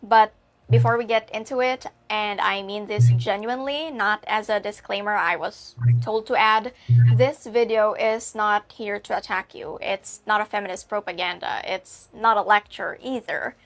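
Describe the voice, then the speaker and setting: A woman from the Philippines presenting a scripted advice video in a direct, measured, pointed way. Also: medium pitch. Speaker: video channel host.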